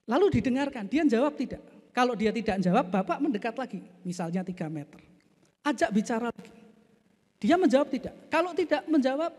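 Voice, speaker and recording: A preacher voicing a calm male doctor giving patient, measured advice in a low, soft voice. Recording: echoey church hall.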